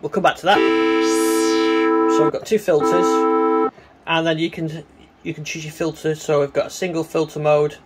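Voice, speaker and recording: A man giving a casual, hands-on synthesizer demonstration, talking in a halting way as he works. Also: on the high side, little pitch movement, loud music behind the voice. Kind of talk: casual hands-on gear demo commentary. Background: synthesizer tones.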